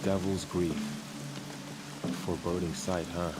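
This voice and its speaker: A fervent tribal warrior, with a deep voice and an earnest, intense delivery. It is video game drama, with music clearly behind him. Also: male voice, level tone, a little slow. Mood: quiet, wry. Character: fervent male tribal warrior, vengeful and loyal.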